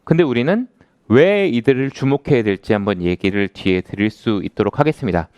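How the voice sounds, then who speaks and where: A man's voice: mid-range voice, animated, fairly quick, a little mellow, clean tone, no room sound, highs cut off. A man in his thirties, an author giving a conversational lecture to a live audience and asking them questions. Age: 30s.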